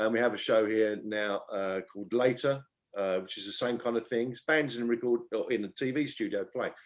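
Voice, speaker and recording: In an English accent, a man speaks at a fairly quick pace with fairly even intonation. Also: medium pitch for a man. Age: 60s. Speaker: rock musician. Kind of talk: interview. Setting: video call. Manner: halting.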